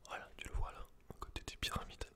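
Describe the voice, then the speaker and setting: A man reading aloud in a breathy, unvoiced ASMR whisper, slow and hushed, with casual asides. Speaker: ASMR creator.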